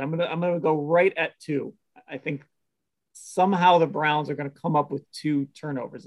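A man hosting a casual sports podcast, thinking out loud as he makes his picks and laughing easily. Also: a little high. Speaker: podcast host.

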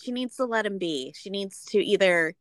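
A middle-aged woman chats casually as a reality TV podcast co-host. She is playful and expressive. The sound is dry, free of room echo. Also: medium pitch, normal speed. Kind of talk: casual reality TV recap chat.

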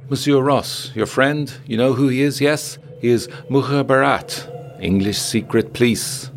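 A man's voice: mid-range voice, unhurried, slight background noise, voice pushed up, lightly acted. A man voicing a worldly, theatrical woman intriguer in an adventure story, giving grave, insistent warnings in formal phrasing. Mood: probing, urgent.

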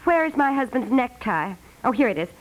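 A fussy but sweet housewife in a vintage radio comedy. Her voice is high, and she presses her point with gentle insistence. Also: big pitch swings, fairly quick, low-quality recording. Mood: insistent. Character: particular, sweetly insistent middle-aged housewife. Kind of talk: 1950s radio comedy acting. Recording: vintage 1950s radio recording.

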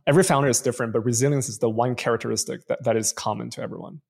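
A man's voice: medium pitch, steady tone, very fast, gravelly, darkish tone, breathy edge. A man from Canada whose first language is Chinese, answering interview questions thoughtfully as a venture investor guest. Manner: thoughtful, frequent fillers and restarts.

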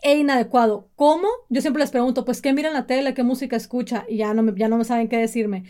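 Woman in her 30s, podcast co-host, lively, acts out quotes, slightly high voice. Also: fast. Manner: animated, acts out quoted parents in a mocking voice. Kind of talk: casual chat.

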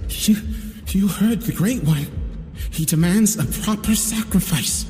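A man doing a shrill, desperate cultist. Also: unhurried, reverberant, in a large hall, soft background music. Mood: fervent. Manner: pleading, shrill, breaking into shouts. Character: desperate frantic cultist man, pleading and unhinged.

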